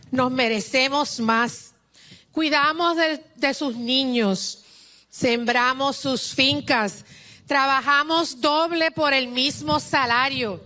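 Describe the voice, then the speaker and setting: A high-pitched woman with a Puerto Rican accent delivers a rousing rally speech outdoors. Her voice is bright and ringing, and she speaks slowly, leaning on each phrase. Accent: Puerto Rican Spanish. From Puerto Rico. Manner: impassioned, rousing.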